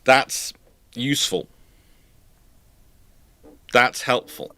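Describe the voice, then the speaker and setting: Man chatting casually in halting bursts, dry sound. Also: mid-range voice, sharp tone, dry recording. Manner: halting, rambling, repeats and rephrases words. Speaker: livestream host, naval historian. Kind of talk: casual chat, answering viewer questions.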